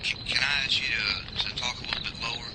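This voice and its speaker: A man voicing a calm, patient host of a paranormal call-in show in a radio drama. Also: mid-range voice, quick pace, very noisy, lightly acted.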